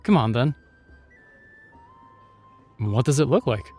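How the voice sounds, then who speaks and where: An actor playing a chivalrous, shyly tender knight in a fantasy audio roleplay, speaking with courtly, reassuring and slightly hesitant phrasing. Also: male voice, mid-range voice, animated, slow pace, a little mellow, husky, soft background music.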